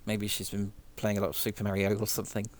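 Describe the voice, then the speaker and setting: A man's voice: fairly low pitch, completely flat delivery, fast, dry recording. A man in casual chat about music, enthusiastic and chatty, laughing easily as he talks.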